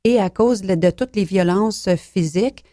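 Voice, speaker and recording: A woman from Belgium telling her life story as an interview guest, soft-spoken and hesitant, sometimes dropping almost to a whisper. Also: mid-range voice, a little slow, no echo, studio quality. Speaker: author guest. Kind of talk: personal testimony in an interview.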